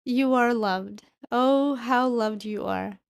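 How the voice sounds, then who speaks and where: A woman's voice: on the high side, slow, gravelly, smooth, dry recording, studio quality. A woman delivering a channeled spiritual monologue in formal, solemn phrasing, speaking as a spiritual guide.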